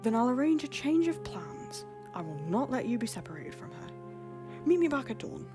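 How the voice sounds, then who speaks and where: A woman's voice: a little high, sing-song, moderate pace, music in the background. A woman acting in an audio drama as an anxious, earnest young royal lord, with a dramatic, emotional delivery. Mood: solemn, earnest.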